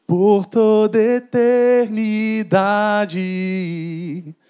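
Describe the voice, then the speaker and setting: A woman singing a slow worship song solo, played as a recording. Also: medium pitch, steady tone, dark tone, clean tone, lo-fi sound, soft background music. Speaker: worship singer.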